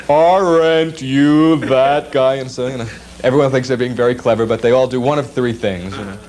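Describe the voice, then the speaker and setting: A man talks at a medium pitch, varying it in an ordinary way, while noticeable background noise runs underneath. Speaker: fast-talking TV ad spokesman. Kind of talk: interview answer. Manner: casual, quick.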